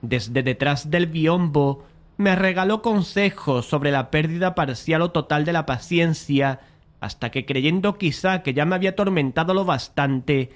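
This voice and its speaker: A man playing a polite, easily frustrated painter who narrates a dramatized horror audiobook in a measured, literary way. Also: a little high, close to an everyday voice. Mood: measured, uneasy.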